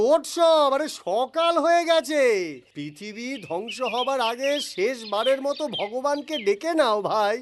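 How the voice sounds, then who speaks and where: A man's voice: very high voice, a little hiss or hum, heavily acted. A man voicing a witty, sly village jester in a Bengali cartoon, polite and coaxing with a mock-innocent air. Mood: calling out.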